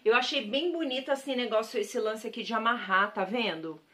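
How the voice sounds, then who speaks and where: Gushing about her thrift-shop finds, a woman from Brazil addresses her viewers directly in a chatty haul video, praising items with the same words over and over. She talks at a moderate pace in a bright, forceful voice that is a little high.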